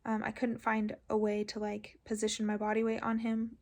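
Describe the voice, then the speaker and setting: A woman talks casually about her own experience, as if in a personal vlog. Her voice has a gravelly fry and stays fairly flat in pitch. She moves along haltingly, padding her sentences with filler words. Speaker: patient vlogger recounting surgery.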